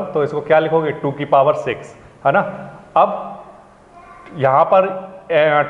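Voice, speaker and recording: A man's voice: fairly high pitch, roomy sound, long reverb tail, phone-quality sound. A man teaching a maths lesson, patiently walking students through each step and checking they follow. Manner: patient, repeats "ठीक है ना" to check understanding; calls students "प्यारे बच्चों" affectionately.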